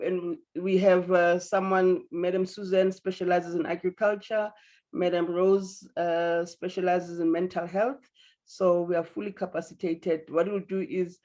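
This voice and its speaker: A woman's voice: lowish voice, a little mellow. Woman hosting an online call, lo-fi. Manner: chatty, apologetic, teasing, with restarts. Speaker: meeting host. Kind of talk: online meeting moderation. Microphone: video call. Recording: dull lo-fi call audio.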